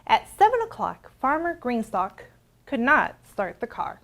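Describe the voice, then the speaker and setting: A woman librarian leading an interactive storytime for young children, expressive and asking simple questions. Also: a little high, measured pace, gravelly.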